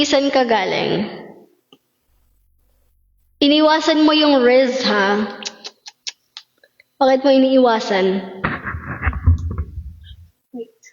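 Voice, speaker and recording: A young woman from the Philippines with a Filipino accent, chatting playfully with viewers on a livestream. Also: high voice. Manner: playful, mixes English with Tagalog. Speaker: idol livestreaming to fans. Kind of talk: casual chat with viewers. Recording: echoey, dull livestream audio with faint music.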